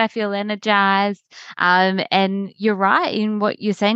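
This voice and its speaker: A woman with an Australian accent speaks at a fairly slow pace and medium pitch, with a dry, close sound, no echo and a quiet background. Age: 30s. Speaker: dietitian. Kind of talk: interview.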